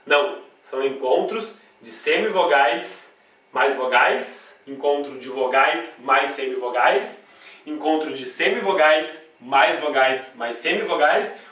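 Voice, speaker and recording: A man's voice: on the high side, expressive, unhurried, a bit bright. A man with a Brazilian accent giving a grammar lesson at a board, emphatic, repeating key words and checking in with "tá?" as he explains. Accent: Brazilian Portuguese. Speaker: grammar teacher. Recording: very echoey room, voice from a distance.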